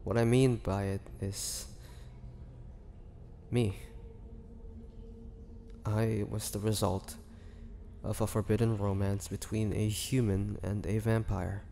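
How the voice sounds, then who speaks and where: Brooding male half-vampire, acted by a man for audio roleplay: gravelly, confiding, halting, with long hall reverb and faint noise. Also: lowish voice, flat delivery, warm tone. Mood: wry, reflective. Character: melancholy male half-vampire confiding his tragic past. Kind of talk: slow dramatic monologue, audio roleplay.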